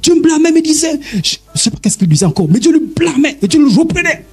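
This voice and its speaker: Husky-voiced preaching man, animated pitch. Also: fast, soft background music. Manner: emphatic preaching, wide pitch swings, direct address. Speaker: pastor. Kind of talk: sermon.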